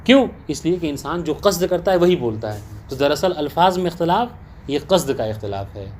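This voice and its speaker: A man's voice: a little high, sing-song, a little mellow, a little hiss or hum. A man teaching a class on religious law, explaining a text and often checking with rhetorical questions that the students follow. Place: teaching session with students present.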